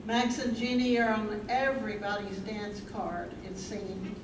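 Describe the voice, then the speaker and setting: A woman playing a measured storytelling narrator in a staged reading of a play. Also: mid-range voice, level tone, distant mic, close to an everyday voice. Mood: narrating. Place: live staged reading in a room. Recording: very noisy, echoey room from afar.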